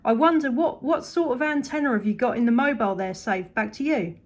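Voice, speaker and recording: A woman's voice: on the high side, a little fast, lo-fi sound. A woman, chatting in an upbeat, appreciative way as a CB radio operator at her home station. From United Kingdom. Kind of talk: casual radio contact chat.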